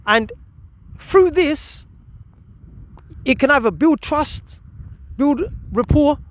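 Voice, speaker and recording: A man's voice: high-pitched, slight background noise. A man speaking as a parenting coach, giving a direct instructional talk with repeated key words and rhetorical questions. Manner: emphatic repetition with rhetorical questions. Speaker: parenting coach presenting a video.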